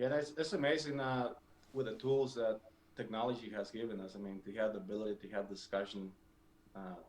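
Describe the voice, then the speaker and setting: A man with a strong Mexican accent talks at a fairly quick pace. His medium pitch shows ordinary pitch variation. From Mexico. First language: Spanish. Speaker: podcast guest. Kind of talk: casual conversation. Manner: halting, many fillers and repeats.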